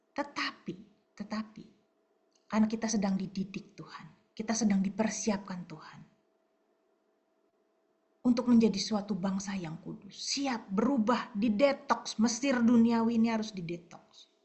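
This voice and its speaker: Female preacher, mid pitch, lively sermon delivery with whispered asides, muffled lo-fi sound. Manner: animated, swings between loud emphasis and soft whispers. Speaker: pastor. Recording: dull lo-fi recording.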